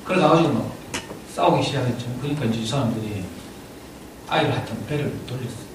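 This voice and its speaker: A middle-aged man with a Gyeongsang accent tells a personal story to an audience, animated and laughing often as he talks. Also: mid-range voice, fast. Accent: Gyeongsang (Daegu). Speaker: parent speaking at a parenting lecture. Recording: echoey hall, distant mic, audible room noise.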